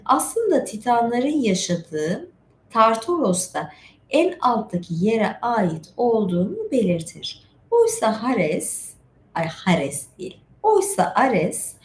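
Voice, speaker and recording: A middle-aged woman hosting an informal storytelling stream, reading and retelling myths in a chatty, digressive way with asides. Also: medium pitch. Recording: echoey room with faint background noise.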